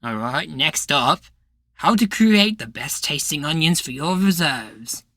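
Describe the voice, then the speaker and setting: A man's voice: on the high side, lively intonation, measured pace, sharp tone, no echo, studio quality, heavily acted. A man playing a smug, dismissive podcast host in a futuristic roleplay, condescending and showy in a mock broadcast style. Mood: breezy.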